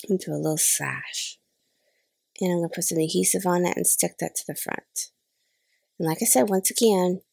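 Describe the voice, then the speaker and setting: Chatty woman with a cold, gravelly voice. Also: on the low side, a little mellow, dry recording. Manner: chatty, self-deprecating about mistakes. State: has a cold, slightly nasal. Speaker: card-making channel host. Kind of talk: casual crafting voice-over tutorial. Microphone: voice-over recorded separately.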